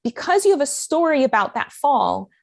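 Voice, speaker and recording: A woman's voice: high-pitched, big pitch swings, moderate pace, creaky, darkish tone, no echo, clean studio sound. A woman from Colombia who grew up in Miami, speaking with an American accent as a life coach guest, telling her story earnestly with many fillers. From Colombia, raised in Miami. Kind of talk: conversational interview.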